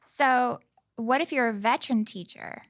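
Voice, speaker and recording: Bright, high-voiced female podcast co-host. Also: normal speed. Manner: playful, informal. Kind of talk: casual chat, asking questions.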